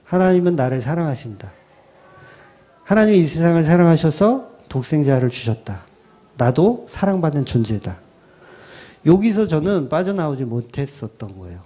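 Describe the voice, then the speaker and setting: A man's voice: fairly high pitch, moderate pace, breathy edge. A middle-aged male pastor preaching a sermon, who acts out quoted prayers and repeats key phrases for emphasis. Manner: animated preaching, acting out quoted prayers and replies.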